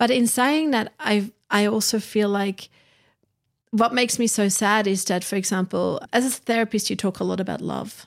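A plain, everyday voice moves at a moderate pace with fairly even intonation in a very clean recording with a silent background. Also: woman, medium pitch for a woman. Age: 40s. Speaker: psychologist and trauma therapist. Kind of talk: casual chat. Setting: studio.

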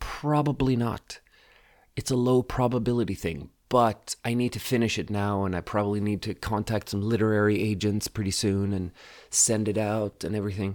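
A man's fairly low voice with a Swedish accent, fairly even in intonation and moderate in pace, on a very clean recording with a silent background. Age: 30s. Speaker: podcast host. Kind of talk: casual monologue. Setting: home studio.

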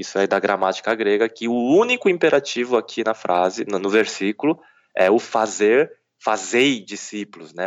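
With an ordinary speaking voice, a man talks at a moderate pace and a fairly low pitch. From Brazil (Korean-born, arrived age 4). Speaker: missiology professor and pastor. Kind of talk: interview, lecture-style explanation.

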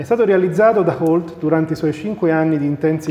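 Noticeable background noise sits behind this recording. A man with an Italian accent talks at a very fast pace. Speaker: interviewer. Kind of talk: interview. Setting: festival.

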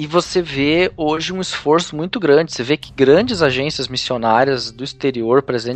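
Against music in the background, a man with a fairly high pitch speaks at a moderate pace with ordinary pitch variation. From Brazil, western Paraná. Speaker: theologian and lay preacher. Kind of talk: interview.

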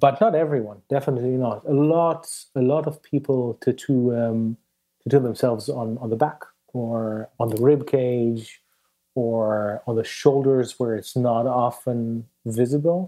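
Medium in pitch, a man talks with a German accent. His pace is fairly slow and his intonation fairly even. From Germany (Munich), then Jerusalem from childhood. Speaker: calligrapher and tattoo artist. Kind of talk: interview. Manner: halting.

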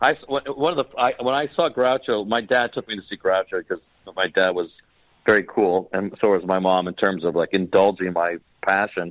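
Speaking at a moderate pace, a man with a plain, everyday voice uses a fairly low pitch with ordinary variation. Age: 50s. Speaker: stage actor. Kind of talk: interview. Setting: phone call.

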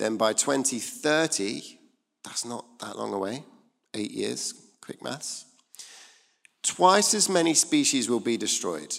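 A man speaks very slowly at a medium pitch, with vocal fry, very wide pitch swings, big shifts in loudness and long, frequent pauses. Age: 20s. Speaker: church speaker. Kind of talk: sermon. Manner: casual.

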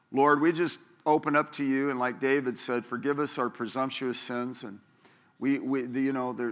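This man has a normal speaking voice at a medium pitch with fairly even intonation. He talks at a moderate pace in a very clean recording with a silent background. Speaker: pastor. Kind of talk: sermon; fervent group prayer. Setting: church. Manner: fervent, rising and pleading, praying aloud with intensity; conversational, humorous, engaging the audience.

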